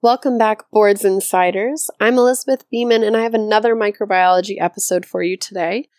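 A woman with a hoarse voice hosting a medical exam podcast, reading a case question and reasoning through the answer step by step. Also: mid-range voice, steady tone, fairly quick, darkish tone, dry recording, clean studio sound. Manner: methodical, thinks aloud step by step. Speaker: podcast host teaching medicine. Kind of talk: explaining a board exam question.

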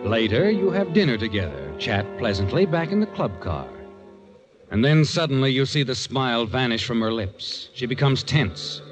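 남자 배우의 음흉하게 떠보는 라디오 범죄극 해설자, 뚜렷한 배경음악. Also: male voice, medium pitch, close to an everyday voice. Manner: knowing, insinuating second-person address. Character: sly, taunting omniscient narrator of crime tales. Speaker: host and narrator. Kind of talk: 1940s radio drama narration.

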